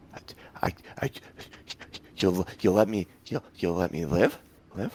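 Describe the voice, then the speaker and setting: A man puts on a character voice, very deep and low-pitched. It comes out shaky at a moderate pace. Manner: frightened and pleading.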